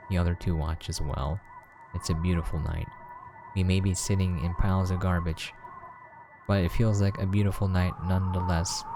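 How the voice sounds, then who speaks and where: Male game preview host, low register, reads story text aloud with casual asides, music underneath. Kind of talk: reading a visual novel aloud with casual asides.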